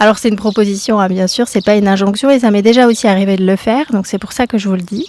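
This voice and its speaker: Noticeable background noise surrounds this woman. She speaks at a fairly high pitch with a fairly even intonation. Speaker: podcast host. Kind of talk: reflective podcast monologue. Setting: outdoors in her garden. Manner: hesitant, many filler sounds.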